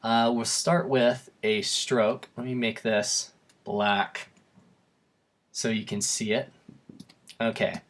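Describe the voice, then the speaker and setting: A young man narrating a software tutorial in a casual, rambling way with self-deprecating asides, his voice wearing thin and going hoarse. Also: lowish voice, little pitch movement, slow, pauses often. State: voice going hoarse from repeated takes. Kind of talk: screen-recorded tutorial narration.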